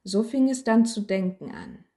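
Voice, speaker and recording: A woman reading a rhyming Christmas story aloud as a storyteller, with a slow, measured, gentle recitation. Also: mid-range voice, wildly swooping pitch.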